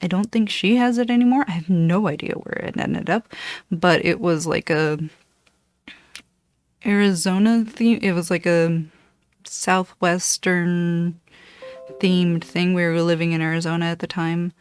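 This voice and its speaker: A woman in her late thirties, originally from Costa Rica with Spanish as her first language, chatting casually and rambling as she introduces her channel from a dark room at home. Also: fairly low pitch, fairly even intonation, unhurried, smooth, no echo. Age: 30s. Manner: meandering, self-correcting, chatty. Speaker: cross-stitch vlogger.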